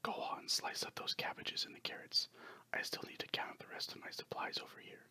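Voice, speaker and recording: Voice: fairly quick, bright, forceful tone, no room sound. A storyteller voicing a small, stooped, chatty old man who mutters and rambles, in a whispered role-play for a story. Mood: chatty, brisk.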